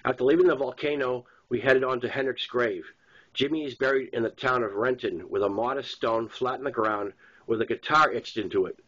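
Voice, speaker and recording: Reading his own first-person novel, a man with a Boston accent speaks briskly in a mid-range, slightly bright voice. His narration is plain and occasionally stumbles, on dull lo-fi audio.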